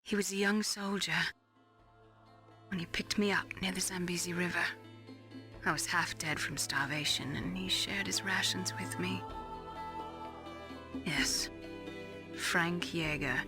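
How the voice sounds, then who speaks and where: A woman voicing a wounded, bitter scientist in a video game, baring her past in a halting, emotional and intense way. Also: fairly low pitch, fairly even intonation. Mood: bitter, grieving. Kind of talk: dramatic video game voice acting. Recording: dramatic music behind the voice.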